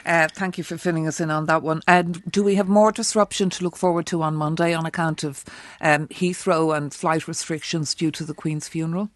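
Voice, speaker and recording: A woman's voice: sits low, fairly even intonation, brisk, dry recording. A woman presenting radio news and putting questions in a live interview.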